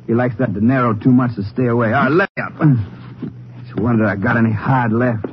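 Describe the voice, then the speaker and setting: A young cowboy prizefighter played by a man, surly and worn out, speaks with an in a middle-pitched voice. It is old radio drama, muffled and noisy. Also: fairly even intonation, fast, close to an everyday voice. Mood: irritated. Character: weary, hot-tempered young male cowboy prizefighter. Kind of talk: 1950s radio western acting.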